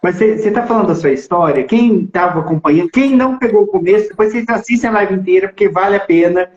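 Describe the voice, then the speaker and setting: Male interviewer, fairly high voice, joking and easygoing, echoey lo-fi recording. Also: fast, a little mellow. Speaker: host interviewer. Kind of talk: casual live interview. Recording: roomy, dull lo-fi sound.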